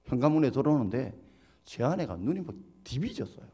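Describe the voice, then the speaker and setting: Pastor, man in his fifties, expressive sermon storyteller, very lively pitch. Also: a little fast, breathy edge. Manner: animated storytelling, acts out quoted voices with big pitch leaps.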